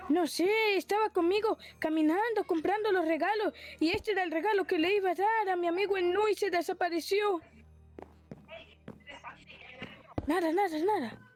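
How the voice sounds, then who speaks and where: A woman's voice: very high-pitched, fairly quick. A woman voicing a naive, childlike drooling noob with a plaintive manner in an improvised Minecraft roleplay. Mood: sad, pleading.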